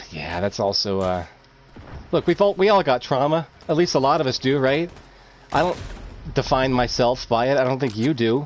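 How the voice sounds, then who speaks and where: A mumbling man at a medium pitch, with lively intonation, a moderate pace and long, frequent pauses. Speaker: streamer. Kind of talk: casual chat while gaming.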